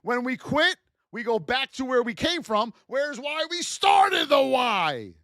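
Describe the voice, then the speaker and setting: A man coaching a livestream audience with blunt, gruff tough love, in punchy repeated phrases that push and encourage. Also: extremely high pitch, sing-song, takes it slowly, sharp tone, no echo, shouting, clean studio sound. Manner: punchy repeated phrases, addresses listeners as folks. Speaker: trading coach and livestream host. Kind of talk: livestream coaching pep talk.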